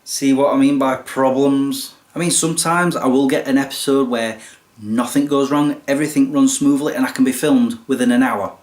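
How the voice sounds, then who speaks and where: A man's voice: mid-range voice, steady tone, normal speed, a little mellow. A young man casually explaining, step by step, how he films and edits his videos, with a self-deprecating manner. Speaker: YouTube creator. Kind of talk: casual behind-the-scenes explanation. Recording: roomy echo.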